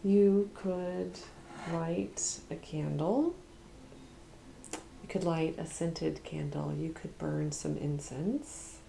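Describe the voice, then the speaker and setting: A woman leads an ASMR guided meditation in a hushed, soothing voice. She speaks extremely slowly with long pauses, sometimes slipping into a whisper. Her tone is dark and mellow with plenty of fry, over faint room hiss. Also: low-pitched, fairly even intonation. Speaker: Reiki practitioner and meditation guide.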